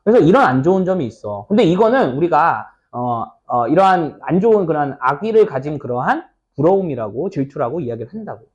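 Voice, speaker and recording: A man's voice: a little high, sing-song, a little fast, few pauses, dull audio. A man teaching an English exam passage, chatty and casual, often asking his students "right?" and acting out short scenes. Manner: chatty, asks students "right?" often, acts out little skits. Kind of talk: lecture explaining an exam passage.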